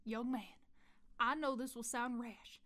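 A woman's voice: fairly high pitch, steady tone, unhurried, a bit bright. A woman playing a scheming, grandiose scientist villain in a comedic audio drama. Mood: smooth persuasion. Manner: grandiose, falsely reassuring, blunt. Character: scheming, theatrical female velociraptor scientist villain.

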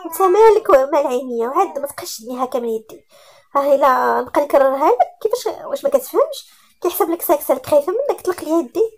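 A woman's voice: on the high side, lively intonation, rapid-fire, darkish tone. A woman voicing a proud, stubborn young woman who talks sharply and indignantly, with a Moroccan accent.

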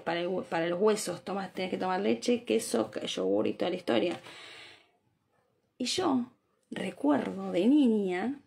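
A woman in her thirties from Argentina with an Argentine accent, giving a chatty, animated live talk to viewers about diet and habits, often checking in with tag questions. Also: mid-range voice, vocal fry. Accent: Argentine Spanish. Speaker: Ayurveda doctor. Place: small bright room indoors. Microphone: phone camera at arm's length.

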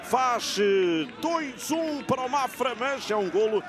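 A man with a European Portuguese accent giving fast, dramatic, excited football commentary over stadium ambience. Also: very high-pitched, crowd noise. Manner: excited, emphatic play-by-play calls. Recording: loud stadium ambience behind the voice.

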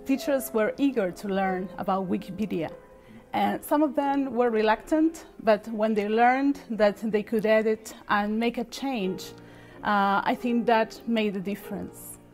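A woman's voice: medium pitch, measured pace, darkish tone, soft background music. A woman answering steadily in an interview in a library room. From Uruguay.

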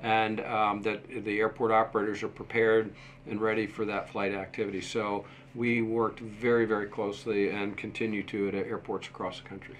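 A man in his sixties speaks with a low voice as an interview guest. His phrasing is measured and hesitant, with pauses. He is recorded at a table microphone with clear room noise behind him. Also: flat delivery. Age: 60s. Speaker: interview guest, museum deputy director and former airport manager. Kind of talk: interview answers. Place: small indoor office set. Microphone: desktop microphone shared at a table.

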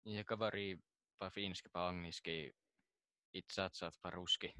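Deep, quiet Finnish-accented teen boy. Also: fairly even intonation, smooth, no room sound. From Finland. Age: teens. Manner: hesitant, quiet, halting answers. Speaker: student. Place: remote, on a video call. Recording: quiet, dry video call voice.

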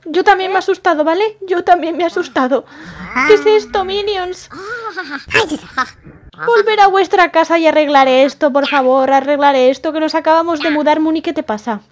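A woman's voice: very high-pitched, normal speed. A woman playing a jumpy young woman in an improvised game roleplay, stammering and repeating words when startled. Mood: jittery, flustered. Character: jumpy young woman, easily frightened and fussy. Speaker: roleplay channel host.

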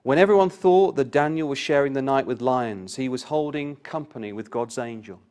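A man leading a Bible class in a sermon style. He reads passages aloud with swelling emphasis, then explains them. Between readings he puts direct questions to his listeners, and his voice sits at a middling pitch. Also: normal speed, a little mellow.

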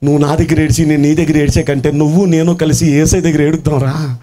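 A man's voice: fairly high pitch, level tone, fast talker, dark tone, pitched below the performer's own voice, natural voice. A man acting out a loving mother who comforts her youngest son, in a sermon story. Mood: pleading. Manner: tender, consoling.

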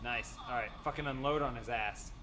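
A man in his thirties casually commenting on a video game with friends in a small room, joking and animated. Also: medium pitch, a little fast, over music. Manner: joking, animated, mock voices. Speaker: let's play commentator.

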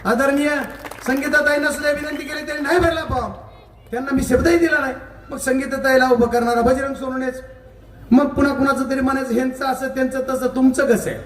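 A man giving a combative, mocking election rally speech, shouting at times. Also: very high voice, steady tone, quick pace, echoey room, recorded from a distance, a little hiss or hum. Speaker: political speaker.

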